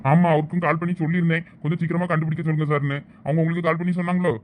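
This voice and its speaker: A man plays a polite middle-aged father in a cartoon, with a Thoothukudi Tamil accent. He speaks very fast in a slightly high voice, deferential and quick to agree. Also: level tone, lightly acted. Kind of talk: cartoon voice acting.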